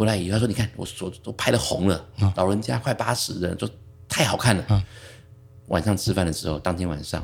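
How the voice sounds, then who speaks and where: A man's fairly low, somewhat breathy voice at a fairly quick pace, with ordinary pitch variation. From Taiwan. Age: 40s. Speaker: business executive. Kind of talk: casual chat.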